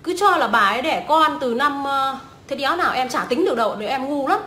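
A woman's voice: sits high, expressive, fast, pushed and bright, a little hiss or hum. A young woman, ranting scornfully and swearing often as a vlogger. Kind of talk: profane ranting commentary. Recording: echoey room.

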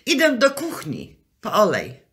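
A woman's voice: medium pitch, wildly swooping pitch, unhurried, a bit bright, heavily acted. A woman playing a chatty, fussing, cheerfully muddled wife in an amateur radio comedy, coaxing and exclaiming. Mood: eager, coaxing.

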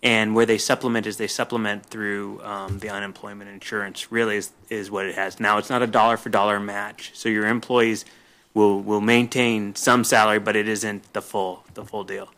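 A man's voice: lowish voice, level tone, moderate pace, bright, forceful tone. A man, a former HR director, speaking up from the audience in a confident, informative way.

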